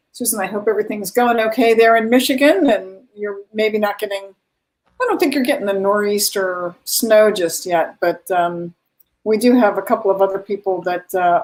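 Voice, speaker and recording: A woman's voice: medium pitch, poor audio. A woman hosting a live online event, chatting casually and greeting viewers.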